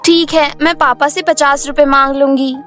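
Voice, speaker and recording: A woman's voice: high-pitched, fairly even intonation, moderate pace, fairly bright tone, faint music behind. A woman voicing a sweet, timid little schoolgirl in a children's cartoon story, polite and innocent. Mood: wistful, curious. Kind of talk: Hindi cartoon storybook acting.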